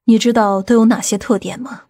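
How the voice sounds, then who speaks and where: A woman playing a composed, authoritative middle-aged aunt in audiobook drama dialogue, speaking in a measured way. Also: on the high side, fairly even intonation, warm tone, slightly rough. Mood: composed, instructing.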